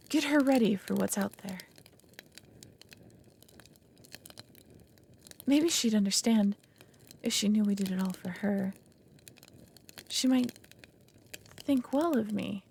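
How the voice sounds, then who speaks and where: A woman playing an anxious, possessive dragon in an ASMR roleplay, halting and formal, often dropping into breathy half-whispers. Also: mid-range voice, darkish tone, slight background noise. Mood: pleading, afraid. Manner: halting, earnest, formal wording. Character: anxious, lonely, possessive female dragon, awkwardly smitten. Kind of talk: ASMR roleplay audio drama.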